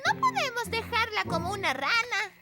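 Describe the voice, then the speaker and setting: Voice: extremely high pitch, wildly swooping pitch, normal speed, over loud music, heavily acted. An actor voicing an eager, polite little fairy princess girl in a Latin American Spanish cartoon dub. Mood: earnest, unsure. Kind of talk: animated children's cartoon dub.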